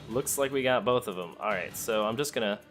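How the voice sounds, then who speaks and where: A man's voice: fairly low pitch, fairly quick, a bit bright, faint music behind. A man giving casual gameplay commentary, thinking aloud and talking to the characters as he plays. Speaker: let's play host. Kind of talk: casual gameplay commentary, sometimes reading game text aloud.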